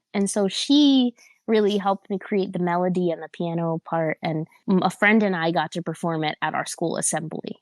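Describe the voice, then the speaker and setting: The sound is dry and close, with no echo. A woman talks at a moderate pace, with medium pitch and ordinary pitch variation. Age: young. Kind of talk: interview answer.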